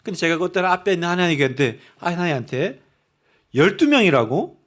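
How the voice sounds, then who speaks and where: A male pastor preaching a sermon, animated and asking the congregation rhetorical questions. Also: a little high, a little fast.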